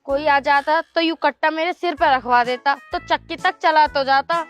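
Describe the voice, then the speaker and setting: A woman's voice: high-pitched, moderate pace, muffled recording, faint music behind, close to an everyday voice. A woman playing a lazy, whining village sister-in-law in a comedy skit. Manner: whining, complaining.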